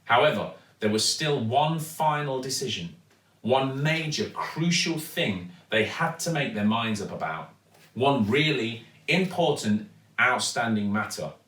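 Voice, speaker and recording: A man narrating a children's story expressively, with dramatic, deliberate emphasis. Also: medium pitch, expressive, fairly bright tone. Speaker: actor reading a children's story. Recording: echoey room, distant microphone.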